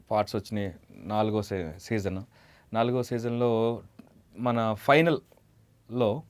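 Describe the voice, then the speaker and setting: A man's voice: lowish voice, no room sound. A man speaking as a guest mimicry artist, telling anecdotes in a conversational interview style.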